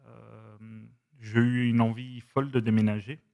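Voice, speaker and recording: A man in his forties, a Spanish speaker, telling his story as a podcast guest in a measured, reflective way. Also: medium pitch, level tone, mellow. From Switzerland. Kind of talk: casual conversation.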